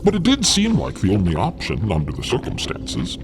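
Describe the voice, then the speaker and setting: A man's voice: fairly low pitch, wildly swooping pitch, fairly quick, noisy background. A man playing a courteous, cautious alien in an audio drama, with formal wording and hesitant stammers. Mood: flustered, modest. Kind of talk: scripted audio drama acting. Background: music.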